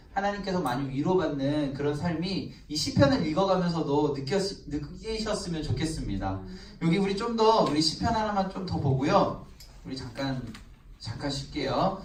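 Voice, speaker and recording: A man's voice: a little high, slight background noise. A man, a pastor, teaching a Bible study class to people in the room, asking them questions and answering them himself. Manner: acts out prayers in an emphatic voice. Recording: echoey room, mic at a distance.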